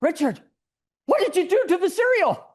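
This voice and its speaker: A man's voice: very high-pitched, big pitch swings, moderate pace, voice pushed up. A man voicing a fussy, scolding grown woman, a mother or teacher, in a storytelling speech, pointed and sing-song. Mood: indignant.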